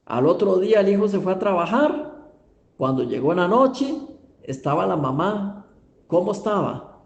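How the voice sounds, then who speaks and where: A man's voice: sits high, sing-song, moderate pace, gravelly, roomy sound, highs cut off. A man preaching a sermon, telling a story and driving it home with emphatic rhetorical questions. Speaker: pastor. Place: church.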